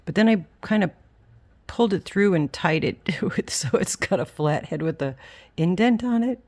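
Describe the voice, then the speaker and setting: A woman's voice: lowish voice, expressive, normal speed, darkish tone. A woman chatting casually and candidly through a rambling craft show-and-tell, self-deprecating, with a whistle on her s sounds. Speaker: craft vlogger.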